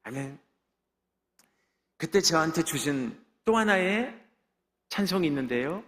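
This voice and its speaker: A middle-aged man delivers a testimony sermon with a fairly high voice, driving each point home and sealing it with an amen. The church sanctuary around him rings with a long reverb. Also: animated, unhurried, a bit bright. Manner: emphatic preaching with frequent amens and call-and-response. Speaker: pastor giving testimony.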